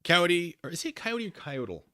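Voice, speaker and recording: Bright-voiced man chatting casually on a livestream. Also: high-pitched, sing-song, moderate pace, no room sound, studio quality. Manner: self-deprecating, playful asides. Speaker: livestream host and commentator. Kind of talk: casual rambling livestream commentary, chatting with viewers.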